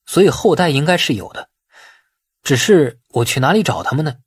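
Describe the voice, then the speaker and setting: Guy doing a shrewd easygoing young businessman, chatty explaining, husky, lively, audiobook. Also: a little high, normal speed, dry recording, studio quality, full character voice. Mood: puzzled. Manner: colloquial, explanatory. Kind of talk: audiobook dialogue.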